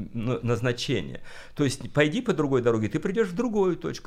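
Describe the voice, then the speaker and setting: This man's fairly high voice carries vocal fry at a moderate pace. The recording is very clean, with a silent background. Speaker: religious radio guest. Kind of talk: casual chat. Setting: studio.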